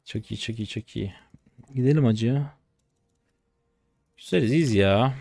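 A man in his twenties streaming his gameplay, chatty and excitable, trash talking in slang and breaking into sudden high-pitched outbursts. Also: measured pace, gravelly, no room sound. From Turkey. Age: 20s. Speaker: game streamer. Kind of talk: live gameplay commentary.

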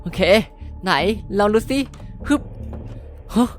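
A woman's voice: slow pace, music in the background, lightly acted. Takemichi, woman as a flustered teen hero. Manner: flustered, polite, stammering. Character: nervous kind-hearted teenage boy hero. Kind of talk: game cartoon voice acting.

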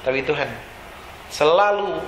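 A man pastor preaching a lively sermon in a casual, slangy way, often quizzing the congregation. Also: on the high side, a little slow, heavy background noise. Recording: echoey hall with faint ambience.

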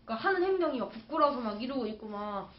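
A woman's voice: a little high, lively intonation, rapid-fire. A young woman chatting casually on a livestream, rambling through a personal story with lots of fillers. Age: young adult. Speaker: streamer's partner, guest. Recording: echoey lo-fi room sound.

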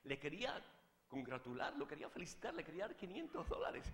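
A man preaching as a Catholic priest, swinging from hushed asides to shouted fervor. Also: fairly high pitch, wildly swooping pitch, fast, echoey room, big-room sound. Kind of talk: sermon with a joke.

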